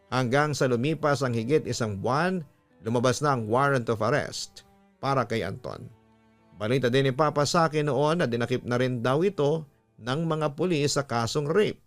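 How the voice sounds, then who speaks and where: A man hosting a story program, reading scripted narration in an earnest, sentimental way. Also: medium pitch. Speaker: radio story host and narrator. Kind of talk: scripted narration of a listener's letter and heartfelt advice. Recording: music bed behind the voice. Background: background music.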